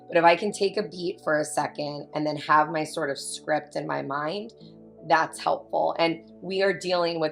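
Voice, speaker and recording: A woman's voice: low-pitched, gravelly. A woman in her thirties, a mother and podcast guest, talking candidly in casual chat and acting out quoted lines as she tells stories. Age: 30s. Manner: candid, animated storytelling with quoted asides.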